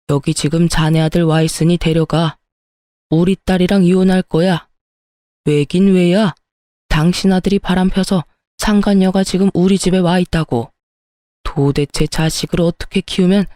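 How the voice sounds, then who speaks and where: A woman's voice: lowish voice, warm tone, no echo, studio quality, natural voice. A woman voicing a stern, angry older father who barks orders, in a dramatized story. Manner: gruff commanding orders.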